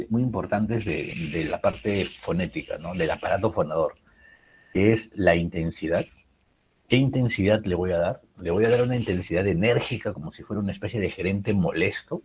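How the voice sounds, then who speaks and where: A man's voice: low-pitched, normal speed, a little mellow, breathy edge, poor audio. A man teaching a writing class, explaining public speaking with many rhetorical questions and fillers. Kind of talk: recorded class lecture.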